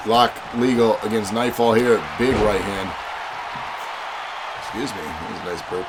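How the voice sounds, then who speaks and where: Male stream host with a lowish, stuffy cold voice, chatty commentary over loud crowd noise. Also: steady tone, measured pace. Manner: chatty, reads donations and chat aloud. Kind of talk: casual stream chat with match commentary. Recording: loud music and crowd behind. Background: loud game music and crowd noise.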